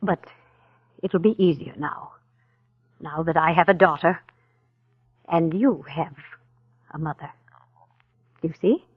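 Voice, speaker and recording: An actress playing a gentle, wealthy older mother who talks in a soft, coaxing way, in a 1940s radio drama. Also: deep voice, slow pace, long pauses, slightly rough, dry recording, heavily acted. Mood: tender. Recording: tinny narrow-band 1940s radio recording.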